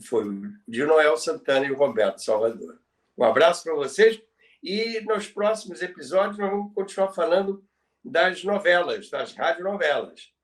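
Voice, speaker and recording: A man's voice: fairly high pitch, lively intonation, moderate pace, far from the mic. An older man with a Brazilian Portuguese accent co-hosting a podcast in conversational commentary, often repeating phrases for emphasis. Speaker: podcast co-host telling radio history.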